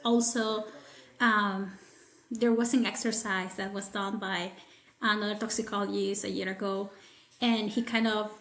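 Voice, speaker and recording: A woman's voice: mid-range voice, level tone, measured pace, a bit bright. A woman guest speaking in a casual podcast conversation, thoughtful and hedging with frequent fillers. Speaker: guest toxicologist. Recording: roomy echo.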